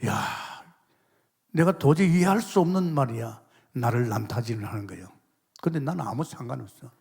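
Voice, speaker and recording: Middle-aged male pastor, husky voice, sermon with testimony, emphatic swings to hushed asides, big reverberant church hall. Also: a little high. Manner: emphatic preaching with sudden loud exclamations and hushed asides; testimony storytelling, acts out quoted voices. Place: large church sanctuary.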